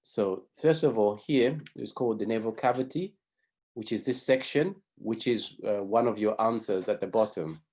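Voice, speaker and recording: A man's voice: lowish voice, normal speed, a little mellow. A middle-aged man from Zambia teaching a youth class, explaining step by step and often restarting his phrases. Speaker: pathfinder honour instructor. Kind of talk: teaching a class over video.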